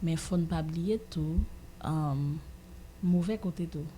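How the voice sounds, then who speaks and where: A woman with a Haitian accent speaks in a casual radio discussion, in a very dark, slightly low voice. She is halting and repeats phrases while searching for words. Faint rumbling noise sits behind her. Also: steady tone.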